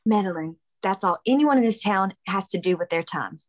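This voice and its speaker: A woman's voice: mid-range voice, animated, moderate pace, lightly acted. A woman reading the part of a wry, tomboyish young mining-town woman, dry and casual, in a drama table read. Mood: wry, friendly.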